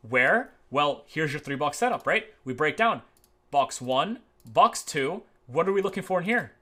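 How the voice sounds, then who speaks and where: A man teaching trading as he walks through charts on his screen, tagging his points with "right?" and moving between quick and slow stretches. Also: a little high, lively intonation, pushed and bright. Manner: repeats "right?" as a tag, talks through live charts; uneven pace, speeds up and slows down. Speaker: trading educator. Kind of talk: screen-share chart walkthrough.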